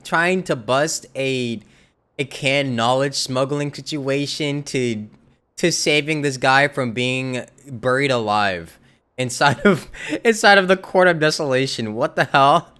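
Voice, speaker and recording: A man's voice: mid-range voice, a little slow, fairly bright tone, smooth. A man giving casual live commentary as a game streamer, informal, blunt and wry.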